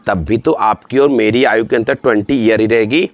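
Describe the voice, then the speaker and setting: A man's voice: fairly low pitch, fairly even intonation, normal speed. Guy in his 40s walking students thru math problems, repeats stuff a lot, calls them friends. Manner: repetitive, calls students friends and dear ones. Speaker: math teacher. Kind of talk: exam-prep math lesson.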